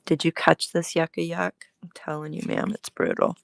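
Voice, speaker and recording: A woman's voice: sits low, little pitch movement, moderate pace, vocal fry, no echo, studio quality. A woman getting over an illness, chatting casually with viewers on a live stream while she demonstrates how to make jewelry and welcomes people by name. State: recovering from illness, gravelly throat. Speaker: jewelry maker selling on a livestream. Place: home crafting space.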